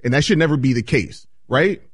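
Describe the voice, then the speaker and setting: A man's voice: medium pitch, animated, fairly quick, breathy edge, no room sound. A man chatting casually about sports as a co-host.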